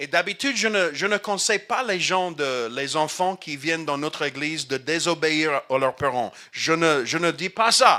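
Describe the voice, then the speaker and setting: Bright and sharp in tone, the speech moves at a fairly slow pace with hardly any pauses and ordinary pitch variation. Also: man, fairly high pitch for a man. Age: 40s. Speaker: pastor. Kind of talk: sermon.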